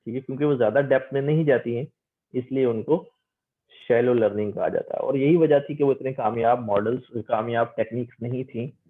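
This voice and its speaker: A man with a South Asian accent teaching a class, reading English text slowly and explaining it point by point, mixing in English terms. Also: mid-range voice. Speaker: teacher giving an online class. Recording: narrow, tinny online-call audio.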